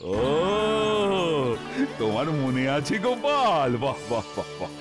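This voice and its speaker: A jolly middle-aged king speaks in a slow, unhurried way with a lively, rolling pitch. He sounds hearty and expansive, a cartoon ruler who laughs easily. Light music plays faintly underneath. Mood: jovial. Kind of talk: cartoon voice acting.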